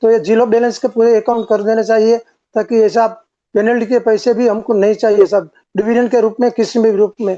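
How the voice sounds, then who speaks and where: A man's voice arrives over a remote call line, dull and lo-fi, with a mellow, darkish tone. He speaks as a shareholder at an online meeting and earnestly presses for changes. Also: high-pitched, flat delivery, brisk. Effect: heard over a remote call line.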